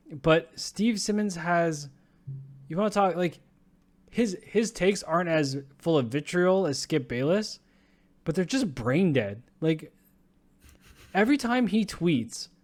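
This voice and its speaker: Blunt, ranting young man on a podcast. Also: a little high. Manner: blunt, profane, ranting with laughs. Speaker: podcast co-host. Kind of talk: casual sports chat.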